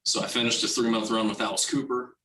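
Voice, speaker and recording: Bright, roomy-sounding male storyteller. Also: mid-range voice, quick pace. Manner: animated, acts out quoted dialogue. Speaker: drummer telling his career story. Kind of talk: casual storytelling interview. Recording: roomy, distant from the mic, faint noise.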